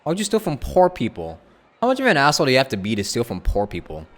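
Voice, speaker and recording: A man's voice: mid-range voice, huge pitch swings, fast talker, a bit bright. A man giving casual live commentary on a game as a streamer, with blunt, slangy reactions. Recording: faint game music behind. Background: faint game music.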